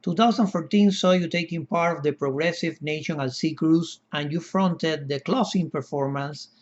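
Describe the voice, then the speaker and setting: Man in his 50s, from cuba, podcast host, fairly high voice, earnest formal wording, slightly dull lo-fi sound. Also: moderate pace. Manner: earnest, effusive and formally worded. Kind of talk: formal interview hosting.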